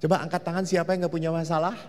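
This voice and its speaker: A man's voice: very fast, in a large hall, a little hiss or hum. A male Catholic priest with an Indonesian accent giving a sermon, questioning the congregation and acting out story voices. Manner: lively preaching, questions to the congregation; acts out story voices with big pitch leaps.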